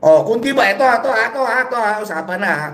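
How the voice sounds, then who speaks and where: A man's voice: high-pitched, expressive, quick pace, a bit bright, echoey room. A man giving a profane, angry political rant with mocking rhetorical questions, recorded on a cellphone. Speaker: political vlogger. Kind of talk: profane ranting commentary.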